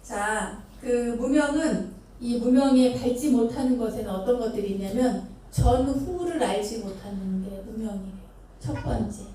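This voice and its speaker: A Buddhist nun from Korea's Chungcheong Province gives a dharma talk in a temple hall, telling a story and putting questions to the audience along the way. Her voice is fairly high, mellow, and moderately paced. The recording sounds distant and echoey, with faint noise.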